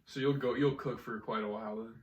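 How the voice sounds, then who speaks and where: A man's voice: medium pitch, steady tone, fast, dull audio, a crowd in the background. A young man co-hosting a podcast, chatting casually and joking with a friend, laughing often. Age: young adult. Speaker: podcast co-host. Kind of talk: casual chat. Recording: echoey room, mic at a distance.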